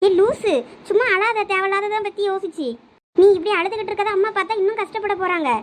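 A woman's voice: very high-pitched, fairly even intonation, fast talker. A woman playing a caring but bossy younger sister who scolds and coaxes, in a village drama skit. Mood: scolding. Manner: scolding, coaxing.

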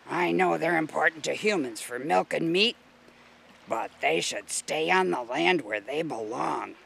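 A man's voice: fairly high pitch, gravelly, a bit bright, a little hiss or hum, exaggerated voice, low-quality recording. A man voicing a grumbly, knowledgeable male river mussel in a children's storybook, explaining things emphatically.

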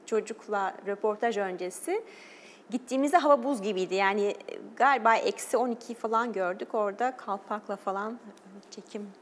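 A woman's voice: mid-range voice, a little fast. Earnest woman guest in a reverberant studio. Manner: earnest, with fillers and laughs. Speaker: guest, journalist and documentary maker. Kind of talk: TV interview talk.

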